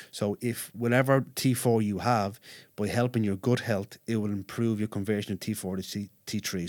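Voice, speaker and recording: Fairly low in pitch, a man with an Irish accent speaks at a fairly quick pace in a flat monotone on a very clean recording with a silent background. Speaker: fitness trainer and performance consultant. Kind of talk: expert interview. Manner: fast.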